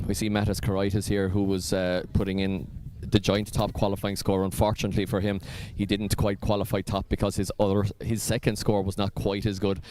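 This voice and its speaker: A man's voice: deep voice, darkish tone, a little hiss or hum. An Irish man presenting at a drift event, walking the pits and chatting with drivers in an upbeat way. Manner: chatty, upbeat, fills with ums. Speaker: pit lane presenter. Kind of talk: live event pit-walk interviews.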